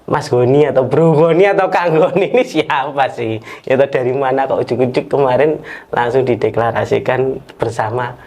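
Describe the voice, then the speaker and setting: A man hosting a casual podcast interview, joking and laughing often with quick backchannels. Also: mid-range voice, darkish tone. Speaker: podcast host.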